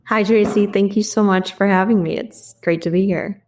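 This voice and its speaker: Woman guest, policy expert, articulate and measured, mid pitch voice. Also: fairly even intonation, a little mellow. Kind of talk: interview answers.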